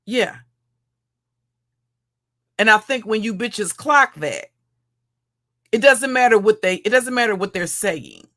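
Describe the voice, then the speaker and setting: Woman streamer, deep heavy voice, taunting and crude, loops back over her own lines. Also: animated, takes it slowly, pauses often, sharp tone. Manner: mocking, insulting, repeats and restarts phrases. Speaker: livestream commentator. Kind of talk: profane roast rant.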